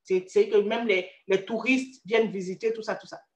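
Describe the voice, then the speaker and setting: Her mid-range voice holds a fairly even intonation at a moderate pace, echoing in the room. She's an Ivorian woman from Ivory Coast with an Ivorian French accent, casually coaching the listener on careers and frequently starting her sentences over.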